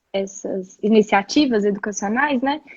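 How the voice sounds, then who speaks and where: A woman's normal speaking voice at a fairly high pitch and fairly slow pace, with a dry, close sound and no echo. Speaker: education researcher, master's student. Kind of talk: live video chat about teaching methods. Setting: online live stream.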